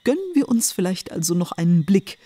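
A woman narrating a scripted storybook tale with genteel, ornate phrasing and a husky voice. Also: fairly low pitch, lively intonation, brisk, dark tone, no room sound.

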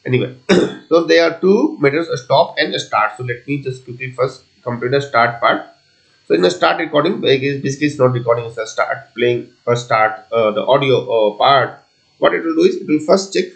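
A man giving an unscripted coding walkthrough as a tutorial presenter, explaining step by step in a halting, repetitive way. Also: mid-range voice, gravelly, rough recording.

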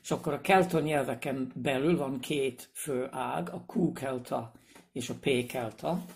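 A man giving a casual explanatory video lesson, speaking hesitantly with pauses, fillers and restarts. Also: mid-range voice, gravelly. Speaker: language presenter.

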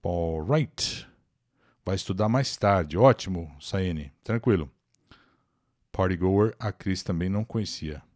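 Man, Brazilian, English teacher, live lesson, explains pronunciation, low pitch, very lively intonation. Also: slow pace, dry recording, studio quality. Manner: explains words and pronunciation, reads chat comments aloud. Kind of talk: live-stream English lesson, reading and translating.

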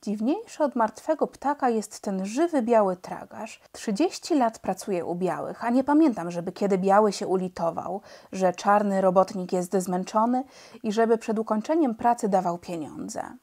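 A woman voicing an old man, a laborer who muses slowly and wryly in a storybook reading. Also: mid-range voice, darkish tone, natural voice. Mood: musing.

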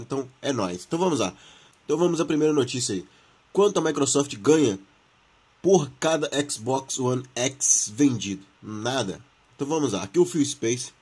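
A man's voice: mid-range voice, a little mellow, breathy edge. A Brazilian man hosting a gaming channel, reading and commenting on news in informal, slangy talk, his throat sore from the flu.

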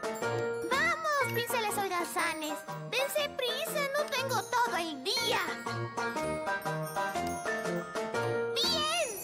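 Very high-pitched little fairy princess. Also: female voice, slow, full character voice. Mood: bossy. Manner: childlike, bossy, excitable. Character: eager, impatient little fairy princess girl. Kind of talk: Spanish children's cartoon dub. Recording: loud music and jingles behind voice.

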